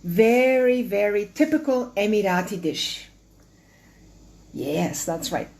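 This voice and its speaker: A woman's voice: medium pitch, expressive, slow pace, creaky, darkish tone. A middle-aged woman from Canada and Chile hosting a live cooking stream, chatty and welcoming as she speaks straight to her viewers. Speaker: cooking show host. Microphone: camera held by her son at a distance. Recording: roomy and distant with faint hum.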